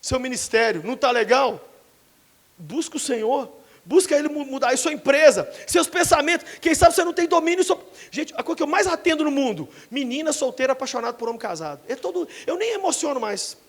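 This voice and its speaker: A man in his forties with a Brazilian Portuguese accent, preaching a sermon in a church, telling dramatic stories and breaking into shouts. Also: very high voice, lively intonation, a little fast. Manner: dramatic storytelling, bursts into shouts. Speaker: pastor.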